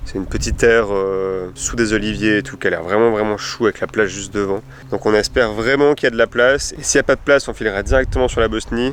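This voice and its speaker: The man talks at a very fast pace with a fairly low pitch. His pitch variation is ordinary. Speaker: travel vlogger. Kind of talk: casual vlog narration. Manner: soft-spoken at start.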